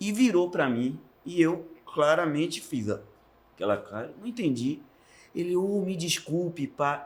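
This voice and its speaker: Speaking slowly with a strong Bahian accent, a man uses a high pitch that swings very widely. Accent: Bahian Brazilian Portuguese, strong. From Bahia, Brazil. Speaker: artist from a community cultural project. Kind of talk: casual chat. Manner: animated.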